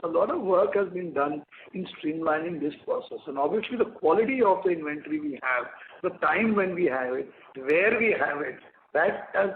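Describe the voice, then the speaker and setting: Echoey Indian executive on a conference call. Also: male voice, a little high, narrow, tinny audio, slight background noise. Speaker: company executive answering investor questions. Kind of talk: earnings call answers.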